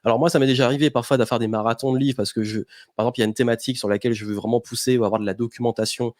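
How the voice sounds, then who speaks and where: A man's voice: mid-range voice, fairly even intonation, rapid-fire, darkish tone, no echo. A man with a mid-range voice hosting a podcast, recorded dry and close with no room sound. He asks his guest questions with curious, engaged interest. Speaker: podcast host. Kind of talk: casual interview conversation.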